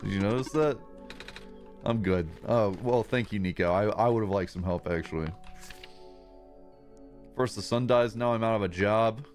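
A man's voice: on the low side, moderate pace, long pauses, soft background music. A young man streaming a game, reading its text aloud and tossing in crude, wry jokes, his voice getting strained. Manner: crude, joking, wry asides. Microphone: streaming microphone.

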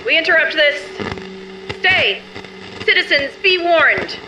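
A woman's voice: sits high, animated, slow pace, roomy sound, noisy background. A woman playing an urgent radio announcer warning citizens in a radio drama. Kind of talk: radio bulletin acting.

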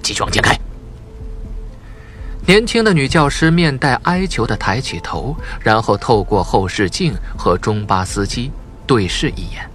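A man's voice: medium pitch, expressive, moderate pace, fairly bright tone, faint music behind. A man narrating a suspense audiobook in a dramatic, scripted storytelling style.

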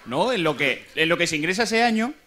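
A man putting a question from a conference audience, insistent, with halting repetitions as he debates. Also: high voice, sing-song, bright, forceful tone.

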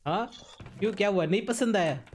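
High-voiced man, playful gaming host. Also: expressive, fairly quick, background noise. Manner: playful, teasing, laughs often. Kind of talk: casual gameplay chat with a friend.

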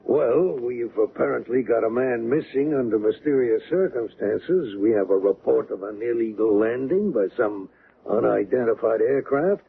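A by-the-book police sergeant in a 1970s radio drama. His voice is gravelly and medium-pitched, his manner folksy and halting. The broadcast sound is narrow and old. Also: animated. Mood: probing. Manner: folksy, hesitant, procedural. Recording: muffled, noisy old radio recording.

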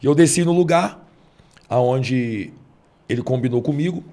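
A man, a preacher earnestly telling a personal testimony on a podcast, going soft and low when moved. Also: measured pace.

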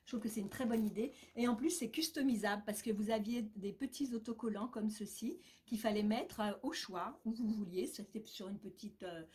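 A woman's voice: medium pitch, fairly quick, few pauses, darkish tone. A woman chatting casually and enthusiastically through a beauty box unboxing, full of fillers and asides. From France.

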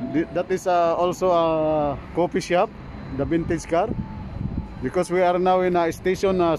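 A middle-aged man casually vlogging outdoors through a face mask, in halting, repetitive simple phrases. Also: high-pitched. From Philippines. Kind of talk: casual selfie vlog narration. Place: outdoors at a food truck park. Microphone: phone at arm's length. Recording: clear outdoor street and traffic noise.

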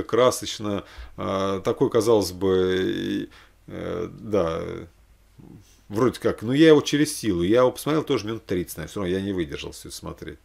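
Low-voiced, gravelly middle-aged man rambling. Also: darkish tone. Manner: rambling, repetitive, often hedging and correcting himself. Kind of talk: informal commentary to camera, unscripted. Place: small room indoors at home.

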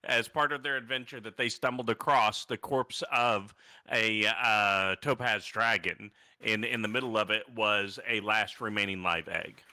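A man's voice: on the low side, fairly even intonation, unhurried, pushed and bright. A man improvising narration as the game master of a tabletop roleplaying game.

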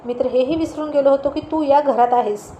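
A woman's voice: high-pitched, brisk, dark tone, close to an everyday voice. A woman voicing flustered young hero Ram. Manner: exasperated, scolding. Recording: roomy echo, faint noise.

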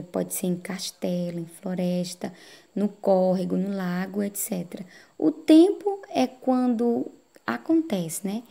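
Woman teacher, dark gravelly voice, patient lesson delivery with constant check-in questions. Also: medium pitch. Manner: explaining slowly with frequent "né?" tag questions. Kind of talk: recorded lesson for adult students.

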